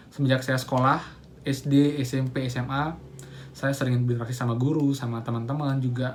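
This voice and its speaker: A man with a medium-pitched, somewhat breathy voice speaks fairly quickly in a monotone, flat delivery, with audible room echo. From Bali, Buleleng (Singaraja). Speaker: YouTuber. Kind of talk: casual vlog talk to camera. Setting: on camera, face shown. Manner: fast.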